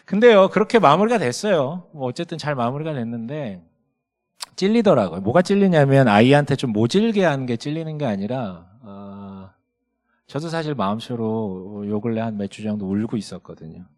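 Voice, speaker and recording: A pastor in his thirties preaches to his congregation, his pitch rising and falling widely as he tells a family story. He acts out both sides of the conversation between himself and his son. His voice sits at a middle pitch. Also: moderate pace. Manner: lively storytelling, acting out dialogue with his son. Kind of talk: sermon with personal story. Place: church sanctuary.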